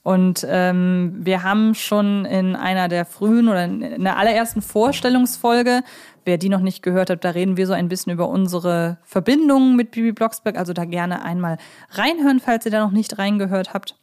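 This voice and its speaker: A woman speaks as a podcast co-host at an average pitch. She talks in a casual, conversational way, as if discussing things with a partner and inviting their view. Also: normal speed, darkish tone. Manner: conversational, asks her co-host questions.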